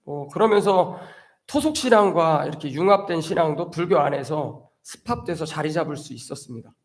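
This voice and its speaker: Pitched fairly high, a man speaks with ordinary pitch variation and big swings in loudness. Audible room echo can be heard. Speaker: Buddhist monk. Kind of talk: sermon. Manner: slow.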